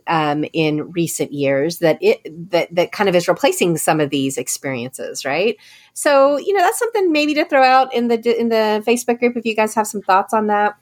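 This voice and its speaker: A woman co-hosting a podcast, chatting casually and rambling through questions for listeners with many restarts. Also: medium pitch. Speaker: podcast co-host.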